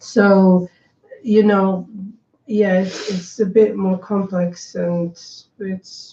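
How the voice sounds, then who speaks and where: A woman's somewhat breathy voice, dark and mellow in tone, holds a medium pitch with monotone, flat intonation. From Portugal. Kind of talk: casual chat.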